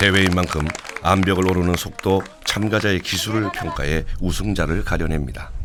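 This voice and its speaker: Over noticeable background noise, a man with a very deep, low pitch talks at a moderate pace, his intonation fairly even and his loudness very even. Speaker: documentary narrator. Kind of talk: documentary narration.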